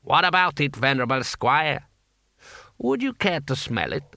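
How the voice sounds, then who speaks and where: A man's voice: on the high side, big pitch swings, moderate pace, vocal fry, sharp tone, no echo, clean studio sound, full character voice. A man voicing a cheerful, pushy street vendor with glib haggling patter, in an audiobook story.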